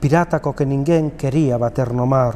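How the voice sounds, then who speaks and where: At a moderate pace, a man speaks in a dark, mellow tone with fairly even intonation over light background noise. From Galicia. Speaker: poet and writer; poet. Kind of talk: reading aloud. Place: shop. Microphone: lapel.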